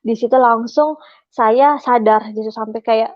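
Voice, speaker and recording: A young adult woman giving a casual personal testimony, her retelling halting and emotional, with many pauses and fillers. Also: fairly high pitch, no room sound. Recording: dull, lo-fi, dry sound.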